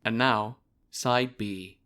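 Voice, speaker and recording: A man's voice: lowish voice, steady tone, takes it slowly, pushed and bright, smooth. A man hosting a podcast, reading a scripted sponsor message in a conversational style.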